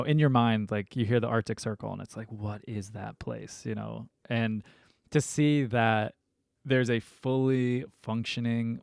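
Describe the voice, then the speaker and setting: Animated male podcast host telling stories. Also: mid-range voice, creaky, clean tone, no room sound, clean studio sound. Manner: animated storyteller, many fillers. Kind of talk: casual conversation.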